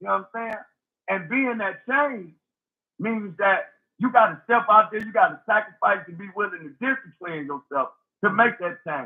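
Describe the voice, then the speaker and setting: Speaking at a moderate pace, a man with a high pitch uses lively intonation and big swings in loudness. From Detroit, east side. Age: 50s. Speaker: former gang member. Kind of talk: interview.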